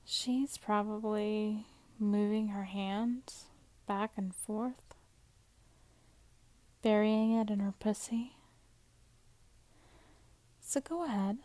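A woman performing an intimate audio roleplay close to the mic, teasing and soft-spoken, often dropping into a whisper. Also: medium pitch, no echo.

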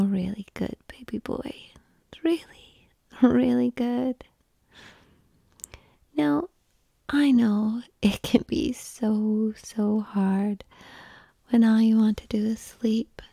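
A woman whispering softly and calmly in an ASMR roleplay, coaxing the listener through slow breathing, close to the microphone. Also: fairly high pitch, creaky, breathy edge, dry recording. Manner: soft unvoiced whispering; calm, coaxing breathing guidance.

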